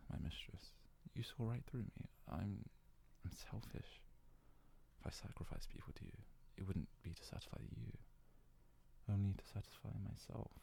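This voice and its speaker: Man acting out a low, husky, meek fox-boy servant. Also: warm tone, heavily acted. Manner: hesitant, deferential, pleading. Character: devoted yandere kitsune fox-boy servant, meek, obsessive, self-loathing. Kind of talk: ASMR roleplay, intimate scripted monologue.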